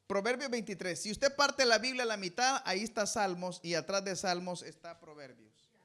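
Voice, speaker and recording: High-voiced preacher, bright and sharp. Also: male voice, moderate pace. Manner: preaching to a congregation, prompting them to fill in words; emphatic, addresses listeners as brothers. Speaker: pastor. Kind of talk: sermon.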